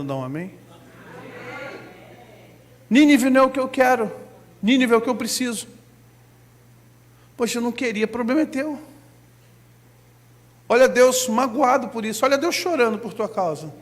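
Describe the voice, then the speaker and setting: A man with a Brazilian Portuguese accent preaching a sermon as pastor, breaking into loud shouted bursts. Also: high-pitched, long reverb tail.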